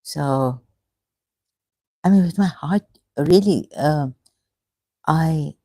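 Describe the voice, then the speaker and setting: A speaker talks alone on a livestream, halting and emotional, often breaking off mid-phrase. The voice is gravelly and mellow in tone, and the recording is dry and close. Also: mid-range voice, no echo. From Pakistan, grew up in Karachi. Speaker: online religion commentator. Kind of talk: rambling solo livestream talk.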